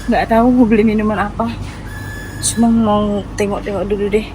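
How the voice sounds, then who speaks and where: A woman's voice: medium pitch, flat delivery, normal speed, warm tone, slight background noise, poor audio. A woman chatting casually to her viewers as she vlogs on the move. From Indonesia. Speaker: vlogger. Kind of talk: casual vlog chat to viewers. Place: walking around a busy outdoor amusement area and nearby shop.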